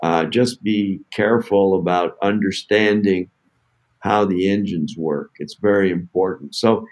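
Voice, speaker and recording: A low-pitched man who founded a tech company, talking casually as a podcast guest. He stops and restarts often, filling gaps with "uh" and "you know". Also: darkish tone. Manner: halting, many fillers and restarts. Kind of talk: casual podcast interview answers.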